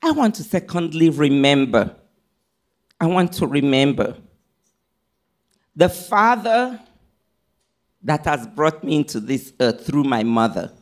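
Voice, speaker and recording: A woman pastor delivers a sermon at an unhurried pace. She reads scripture in careful, measured phrases and repeats key lines for emphasis. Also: low voice, very animated. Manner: preaching, reading scripture aloud in measured phrases.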